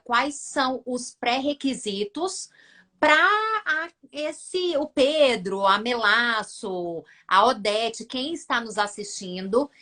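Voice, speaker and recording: A woman with a fairly high voice who speaks slowly. As host of a live interview she asks long, carefully built questions and keeps an eye on the clock. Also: sharp tone. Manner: measured, poses long questions and handles the time.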